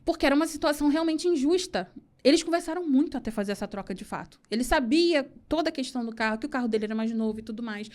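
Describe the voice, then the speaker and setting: A woman's voice: high-pitched, animated, very fast, darkish tone. A woman telling a personal story in casual podcast chat, acting out the dialogue she quotes. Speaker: podcast guest.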